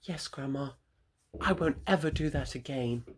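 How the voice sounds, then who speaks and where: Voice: mid-range voice, a little slow, a little hiss or hum, pitched above the performer's own voice, natural voice. A teacher voicing a frightened little girl in a red hood, gasping and pleading in a storybook reading. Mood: meek. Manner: wide-eyed, gasping, pleading.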